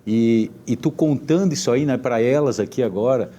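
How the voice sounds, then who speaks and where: A man with a Gaúcho Brazilian accent hosting a live talk show, speaking haltingly with frequent tag questions. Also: mid-range voice, warm tone. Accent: Gaúcho Brazilian Portuguese. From Porto Alegre region, southern Brazil. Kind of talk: casual live interview.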